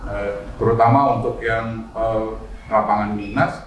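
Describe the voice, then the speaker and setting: A man in his sixties from Bandung with a Sundanese accent, answering interview questions calmly with many fillers. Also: on the low side, muffled recording. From Bandung, West Java. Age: 60s. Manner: many "eh" fillers, measured and friendly. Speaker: guest, former company president. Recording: roomy distant mic with faint noise.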